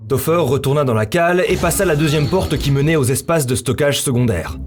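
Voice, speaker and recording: A man's voice: on the high side, a little fast. A man delivering scripted narration for a science-fiction visual novel. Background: music.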